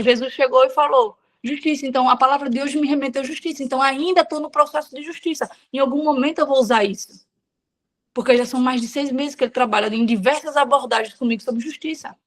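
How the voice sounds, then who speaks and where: A woman's voice: sits high, fairly even intonation, fast. A woman giving an informal devotional talk to women, speaking frankly and conversationally with everyday slang.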